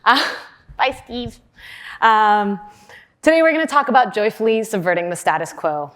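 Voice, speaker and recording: A woman in her forties, raised in Western Canada, giving a conference keynote in a chatty way with fillers and laughs. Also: normal speed. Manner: chatty, with fillers and laughs, lively pitch swings. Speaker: conference speaker. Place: large conference hall.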